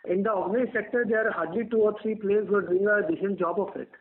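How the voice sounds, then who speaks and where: A man's voice: high voice, fairly even intonation, fast talker. A man with an Indian accent, a company executive explaining things on an earnings call, repeating words as he thinks. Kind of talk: answering questions on an earnings call. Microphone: telephone line. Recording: narrow, tinny phone line.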